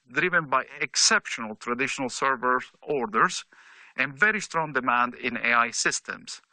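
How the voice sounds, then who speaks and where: A man speaking as a company executive, reading a scripted corporate presentation in a formal, measured way with emphasis on key figures. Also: mid-range voice, bright, forceful tone, dry recording, rough recording.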